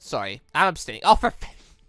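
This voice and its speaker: A let's play host rambling through casual commentary and reading visual novel dialogue aloud, often repeating and rephrasing while thinking out loud. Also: medium pitch, sing-song, brisk, dry recording, clean studio sound. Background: game music.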